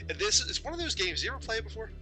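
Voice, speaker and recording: A man's voice: high-pitched, sing-song, rapid-fire, bright, forceful tone, faint music behind. A man co-hosting a podcast in an easygoing, playful way. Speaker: podcast co-host. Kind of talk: casual podcast chat.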